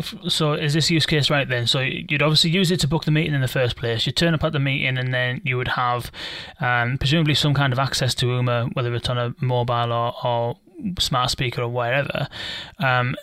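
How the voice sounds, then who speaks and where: Gravelly-voiced male host, mid-pitch, dry sound, sums up his guests' points. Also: a bit bright, no room sound. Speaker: interviewer. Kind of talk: business interview.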